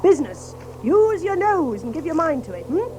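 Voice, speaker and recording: Hearty water rat fellow, high voice, super animated, kindly and bustling, old-timey chummy, storybook radio play. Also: female voice, normal speed, faint music behind. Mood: determined. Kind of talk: audio drama storybook acting.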